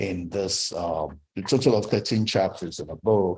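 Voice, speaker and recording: With ordinary pitch variation, a man's voice comes across somewhat breathy. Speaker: book club host and farmer. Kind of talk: book summary talk. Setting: recorded video with slides.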